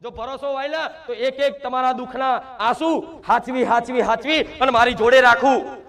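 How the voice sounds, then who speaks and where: A man's voice: very high-pitched, fairly even intonation, moderate pace, vocal fry, a bit bright. A man giving an emphatic devotional sermon, speaking in the first person as a divine mother to her devotees and asking rhetorical questions. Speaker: spiritual medium speaking as the goddess to devotees.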